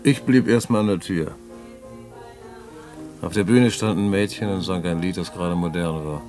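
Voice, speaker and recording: A man's voice: low voice, normal speed, over loud music, natural voice. An actor playing a streetwise male black-market trader who talks colloquially and confides his own story in a radio play. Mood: pensive. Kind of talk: radio play dialogue and first-person narration.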